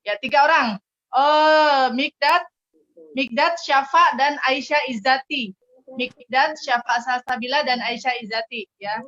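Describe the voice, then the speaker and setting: A woman's voice: high voice, a little slow, pushed and bright. A woman moderating an online event over a video call, talking casually with many filler words. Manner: fills speech with "ya" and "eh" fillers. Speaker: webinar moderator. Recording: muffled lo-fi video call audio.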